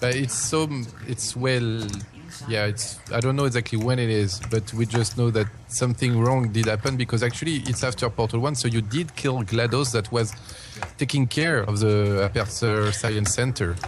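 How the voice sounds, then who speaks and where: A man with a French accent, medium pitch, fairly even intonation and very even loudness, at a moderate pace amid noticeable background noise. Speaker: gaming show host. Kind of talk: live commentary. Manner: halting.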